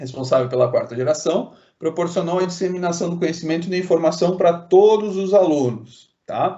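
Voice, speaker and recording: A man's high voice with ordinary pitch variation, at a moderate pace. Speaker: university lecturer. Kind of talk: online lecture.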